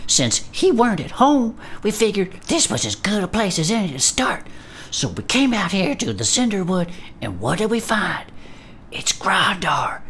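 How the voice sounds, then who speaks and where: A woman's voice: medium pitch, a bit bright, slightly rough. A woman co-hosting and playing in an audio drama, recapping the story in a folksy, conspiratorial way. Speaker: co-host and player. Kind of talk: chatty in-character story recap.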